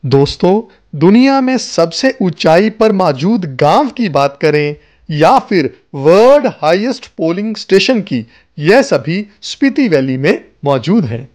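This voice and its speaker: A man's voice: sits high, big pitch swings, a little slow, darkish tone. A man narrating a travel guide as a scripted voice-over, speaking to viewers as friends. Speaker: travel vlogger. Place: voice-over, not recorded on location. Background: faint background music.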